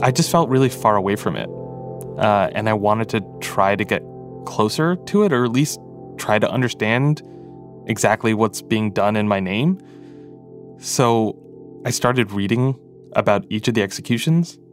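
A man's voice: lowish voice, normal speed, soft background music. A man, a podcast producer, narrating a story in a casual, reflective way with frequent fillers.

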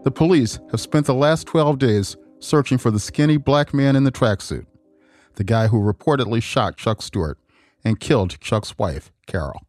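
A man narrating a documentary podcast in a measured, dramatic scripted style. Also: mid-range voice, expressive, a little mellow, soft background music. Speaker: podcast host.

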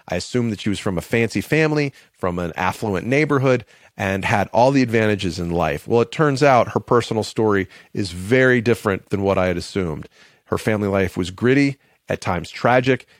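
A man's voice: fairly low pitch, no room sound, studio quality. A man hosting a podcast, interviewing a guest in an upbeat, conversational way. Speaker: podcast host.

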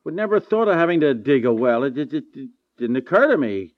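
Male actor as flustered, stammering sitcom husband, mid-pitched and animated, vintage radio. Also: fairly quick, natural voice. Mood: earnest, flustered. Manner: stammering, repeats himself. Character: flustered, easily exasperated husband, naive new property owner. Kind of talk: 1950s radio comedy acting. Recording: dull 1950s radio recording.

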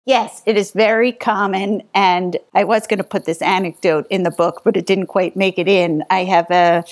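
Measured woman explaining as a guest. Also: medium pitch, fairly even intonation. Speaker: author and psychologist guest. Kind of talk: conversational interview.

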